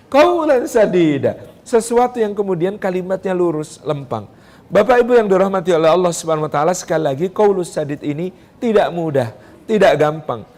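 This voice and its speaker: A male preacher gives a parenting talk. He is lively and animated, speaking straight to the mothers in his audience and acting out little scenes. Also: high-pitched. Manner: animated, addresses mothers directly, acts out quotes. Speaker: Islamic preacher. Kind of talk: parenting sermon to a congregation.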